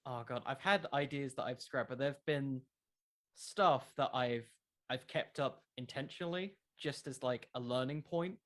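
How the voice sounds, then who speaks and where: A man's voice: mid-range voice, moderate pace, fairly bright tone. Casual, explanatory man being interviewed. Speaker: podcast creator being interviewed.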